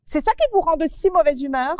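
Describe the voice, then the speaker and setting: A woman's voice: high voice, animated, fairly quick, a little mellow, no room sound, studio quality, big-room sound, voice pushed up. A woman voicing a fretful young woman with a flower on her nose, who exclaims and stammers while speaking to the children in a children's TV story. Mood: fretful flustered.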